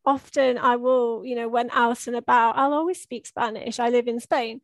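A woman with an English accent, a hearing loss coach, chatting quickly as a podcast guest. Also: a little high, fairly even intonation, no echo. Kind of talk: casual conversation.

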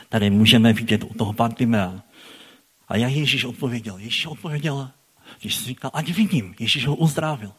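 A man's voice: medium pitch, slightly rough. A man preaching a sermon in a conversational way, often putting questions to the congregation and repeating his phrases.

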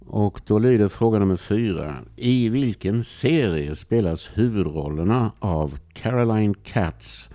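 A man's voice: lowish voice, hardly any pauses, dark tone, dry recording, studio quality. A man hosting a podcast quiz, hesitant with many fillers as he reads out the questions. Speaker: quizmaster.

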